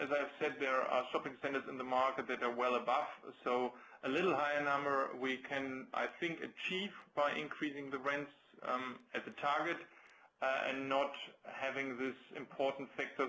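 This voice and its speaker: A man's voice: mid-range voice, fairly even intonation, normal speed, pushed and bright, a little hiss or hum, rough recording. A man with a German accent speaking as a company executive, answering questions on a business conference call in careful, hesitant phrases. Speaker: company executive presenting results.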